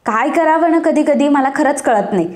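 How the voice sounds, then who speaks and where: A woman reading out a young wife who orders her husband around and scolds him, caring but strict, in a storybook retelling. The voice is high-pitched and close to the reader's own. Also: animated, normal speed. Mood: confiding. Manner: scolding, commanding.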